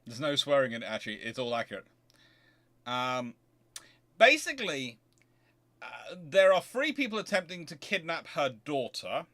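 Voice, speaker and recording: Bright-voiced man, rambling and wry. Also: a little high, big pitch swings. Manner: halting, digressive, self-interrupting. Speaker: livestream host answering chat. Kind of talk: casual rambling livestream chat.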